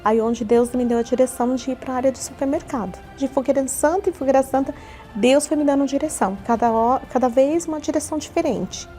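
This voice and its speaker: Brazilian lady in her 40s telling her faith testimony, kinda high voice, earnest, faint music behind. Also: fairly quick, mellow. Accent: Brazilian Portuguese. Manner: earnest, repeats herself often. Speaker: church member giving a testimony. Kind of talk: personal testimony.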